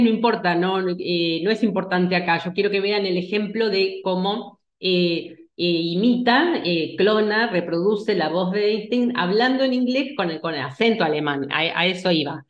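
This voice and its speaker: A woman lectures in a slightly low voice, hesitating often, restarting phrases and checking that her listeners follow. The recording carries a noticeable room echo. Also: normal speed, hardly any pauses, lo-fi sound. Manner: hesitant, many restarts and fillers, asks "¿sí?". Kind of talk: online lecture.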